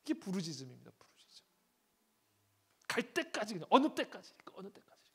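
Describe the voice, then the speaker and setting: High, gravelly pastor preaching. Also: male voice, huge pitch swings, brisk. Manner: swings from hushed asides to shouted scripture readings. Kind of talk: sermon.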